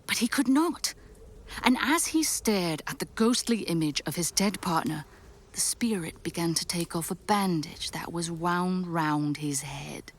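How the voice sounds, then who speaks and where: A woman narrating an audio drama as a storyteller, with theatrical, deliberate phrasing. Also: lowish voice, expressive.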